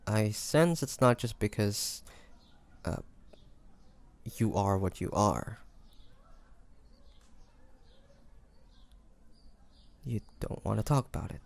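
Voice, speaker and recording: A man playing a weary, guarded but tender demon hunter in an intimate audio drama, speaking softly and haltingly. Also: lowish voice, creaky, full character voice. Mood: probing, gentle. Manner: hesitant, halting, sighing, soft-spoken.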